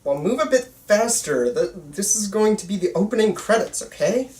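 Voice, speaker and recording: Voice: mid-range voice, animated, moderate pace, darkish tone. Echoey amateur reader, casual and stammering. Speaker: amateur actor reading the lead part. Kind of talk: table read of a film script. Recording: roomy, echoey room.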